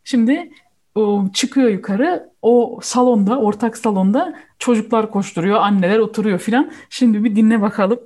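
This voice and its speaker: Mellow woman chatting casually. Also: a little high, normal speed. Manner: switches between Turkish and German mid-sentence. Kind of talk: casual chat, explaining a film.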